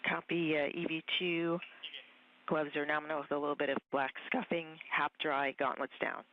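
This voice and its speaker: A man's voice: a little high, level tone, moderate pace, a little hiss or hum. A man at mission control making methodical radio calls over a space-to-ground radio loop, reading back checks. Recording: dull radio loop audio.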